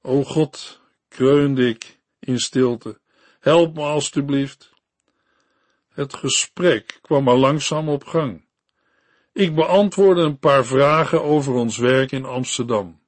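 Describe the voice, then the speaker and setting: A man reading a devotional story and sermon for a radio Bible program, in a slow, earnest storytelling manner. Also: medium pitch, no echo.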